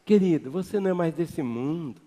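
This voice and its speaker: A man with a Brazilian Portuguese accent preaching a sermon as pastor, emphatic, swinging between loud exhortation and quiet low asides. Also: expressive, a little fast. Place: large church hall. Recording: long reverb of a church hall.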